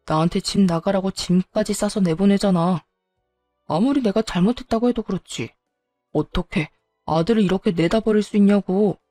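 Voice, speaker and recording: A woman's voice: mid-range voice, normal speed, mellow, dry recording, faint music behind, natural voice. A woman voicing a self-pitying ex-husband who pleads, then turns petulant and defensive. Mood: complaining. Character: whiny self-pitying ex-husband, grown man.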